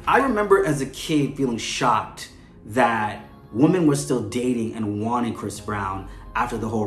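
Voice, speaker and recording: A man hosting a podcast with casual, analytical commentary, conversational and often checking in with the listener. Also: mid-range voice. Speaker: podcast host. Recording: echoey room with faint music.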